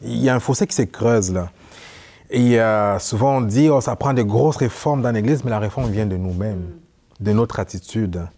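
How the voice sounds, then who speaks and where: A man's voice: on the low side, moderate pace. A young man from Quebec, a newly ordained priest, telling anecdotes in a casual interview and acting out the dialogue. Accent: Quebec French. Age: young adult. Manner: animated, acts out dialogue in anecdotes. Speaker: priest guest.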